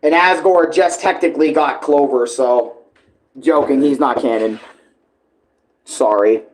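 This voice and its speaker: Guy doing a live reaction stream, super slangy and animated, swears a ton, casual chat. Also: medium pitch, a little slow, poor audio.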